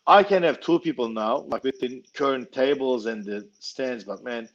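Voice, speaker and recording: A man chatting casually with friends in a halting, hesitant way. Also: mid-range voice, highs cut off. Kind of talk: casual chat among friends.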